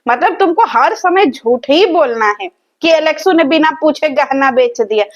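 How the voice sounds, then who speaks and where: A woman's voice: high-pitched, lively intonation, moderate pace, highs cut off. A woman, hosting a reaction video and roasting the people in it in a mocking, sarcastic, scolding way. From rural village in north India.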